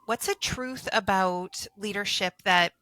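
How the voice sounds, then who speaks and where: A woman's voice: mid-range voice, unhurried, pushed and bright. A woman co-hosting a podcast with a scratchy voice today, chatty and curious as she asks questions. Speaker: podcast co-host.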